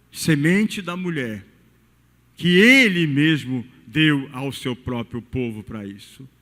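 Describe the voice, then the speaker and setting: A man preaching a sermon in a cathedral at an evening service, asking rhetorical questions and swinging his pitch widely. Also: pushed and bright. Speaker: pastor. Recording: long reverb of a large church hall.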